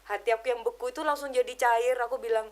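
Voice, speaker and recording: A woman giving an emotional personal testimony as a podcast guest, telling it in an animated way and keeping the host close in the talk. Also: fairly high pitch, quick pace. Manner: animated storytelling, keeps addressing the host as brother; drops English words into her speech.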